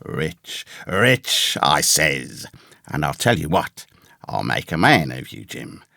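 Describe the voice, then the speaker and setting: A man acts out a storybook castaway, ragged, pious and a little crazed. His voice is deep, hoarse and creaky, swinging up and down as he rambles eagerly in rough sailor's speech. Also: very animated, unhurried, pushed and bright, no echo, clean studio sound, heavily acted. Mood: excited, secretive. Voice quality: hoarse, awkward.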